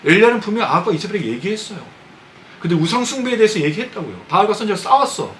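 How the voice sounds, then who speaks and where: Lively Korean pastor preaching. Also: male voice, high-pitched, rapid-fire, a little hiss or hum, rough recording. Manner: conversational preaching, asks the congregation questions. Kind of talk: sermon. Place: church sanctuary.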